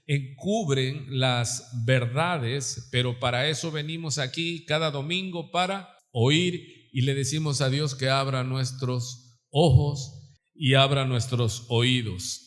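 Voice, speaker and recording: A man's voice: medium pitch, slow. A man, a pastor, preaching a live Sunday sermon and building to fervent emphasis, calling his listeners brother. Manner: rising to fervent preaching, stressing words; addresses listeners as "hermano". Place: church sanctuary. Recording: live church recording with long reverb.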